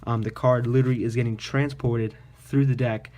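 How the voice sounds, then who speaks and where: A man's voice: mid-range voice, fairly even intonation, fairly quick, dark tone. A man presenting a card trick tutorial in casual magician patter, explaining informally step by step.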